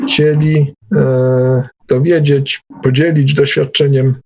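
A man with a relaxed, mellow voice of medium pitch hosts an online discussion. He speaks off the cuff and haltingly, often pausing as he searches for words. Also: low-quality recording. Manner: halting, hesitant delivery with drawn-out pauses. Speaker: host of an online group meeting. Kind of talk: unscripted group discussion. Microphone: online call microphone.

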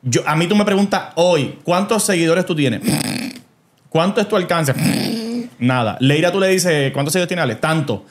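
A man's voice: on the high side, moderate pace. A man with a Puerto Rican accent, hosting a podcast and telling stories in casual chat, dropping English words and restarting often. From Puerto Rico. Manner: animated storyteller, mixes English words, many restarts. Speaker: podcast host.

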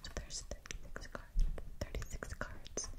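Slow, whispering woman, ASMR style. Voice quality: breathy, unvoiced whisper. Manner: soft, repeats words and phrases slowly. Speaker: ASMR video host. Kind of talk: whispered ASMR, casual and playful chat while showing objects. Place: small indoor room, seated at a table. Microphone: large desktop microphone, close up.

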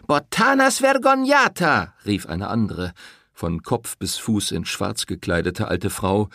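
A man reading an audiobook with expressive, animated narration. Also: on the low side, gravelly, slightly rough, no echo, clean studio sound.

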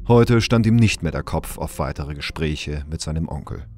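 A man narrating a sci-fi crime audio drama in a measured, serious, scripted storytelling style. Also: rumbling low, animated, darkish tone. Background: music.

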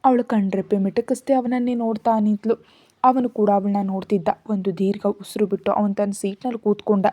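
A woman's voice: medium pitch, level tone, a little fast, mellow. A woman narrating a story in a scripted storytelling style, reading every character's lines herself. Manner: reads all characters, raising her voice for dialogue.

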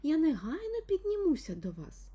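A middle-aged storybook lady, put on by a female reader, with a raised, lilting voice. She is courteous and sure of herself, soft yet carrying, and gently insistent. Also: high-pitched, wildly swooping pitch, normal speed, pitched above the performer's own voice. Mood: friendly, assured.

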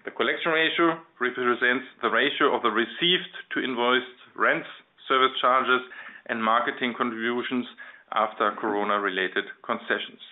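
A male executive with a German accent presents company results over a thin, narrow telephone connection. His voice sits at an average pitch. He is formal and measured, clearly reading from a prepared script. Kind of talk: scripted financial presentation on a conference call. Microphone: telephone conference line. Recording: narrow phone-line sound.

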